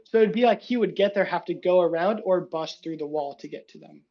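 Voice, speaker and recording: A man's voice: sits high, fairly quick, muffled recording. A young man running a tabletop game as dungeon master, narrating loosely and chatting about rules.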